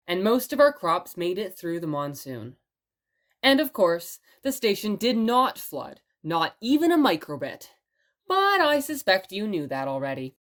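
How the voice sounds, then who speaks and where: Low-voiced woman radio storyteller. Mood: playful, wry. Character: chatty, playful radio station host telling stories. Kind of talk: audio drama radio broadcast and scripted narration.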